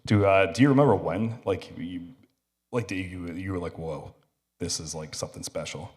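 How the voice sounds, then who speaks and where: A man's voice: low voice, moderate pace, in a large hall. A man moderating a convention panel, asking hesitant questions full of fillers. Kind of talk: casual interview questions.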